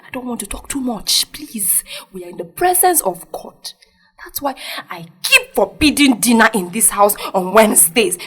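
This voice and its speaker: Husky, preachy Nigerian mother. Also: mid-range voice, a bit bright. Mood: pleading, restrained. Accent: Nigerian Igbo-language English. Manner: preachy, exclamatory, repeats herself insistently. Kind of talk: audio drama acting. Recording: music behind the voice.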